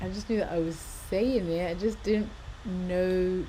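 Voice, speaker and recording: In an English accent, a woman speaks at a fairly slow pace with fairly even intonation and audible room echo. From England. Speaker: livestreamer. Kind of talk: casual chat. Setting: live stream.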